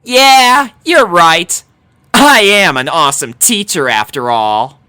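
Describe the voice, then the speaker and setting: A brash, competitive teenage girl voiced by a man speaks in a raised, forceful voice. Her delivery is dramatic and full of swings, as in a cartoon story. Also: high voice, expressive, slow, clean tone, voice pushed up, exaggerated voice. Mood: cocky.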